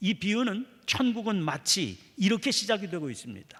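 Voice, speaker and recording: This man has a high-pitched voice and speaks at a moderate pace. His intonation is lively. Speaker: senior pastor. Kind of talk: sermon. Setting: church.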